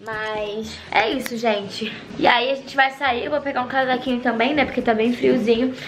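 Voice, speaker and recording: A young woman who is slightly hoarse from losing her voice, chatting upbeat to viewers on a handheld camera while travelling. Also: fairly high pitch, steady tone, moderate pace, faint music behind. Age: young adult. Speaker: vlogger. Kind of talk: casual travel vlog to camera. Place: outdoors at a beach and on a boat, later indoors in a flat. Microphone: handheld camera at arm's length. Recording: noisy handheld camera audio.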